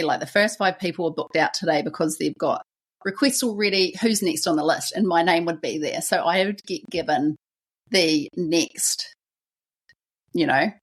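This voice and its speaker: A woman's voice: lowish voice, husky. A young woman from New Zealand with a New Zealand accent, hosting a podcast and telling her own story in a chatty way, often adding "like" and "right?". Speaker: podcast host.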